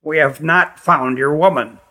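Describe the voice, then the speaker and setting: A man voicing a stern, tense old tribal queen with a reedy voice and formal, deliberate phrasing in a fantasy audiobook. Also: fairly high pitch, pushed and bright, full character voice. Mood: stern, resolute.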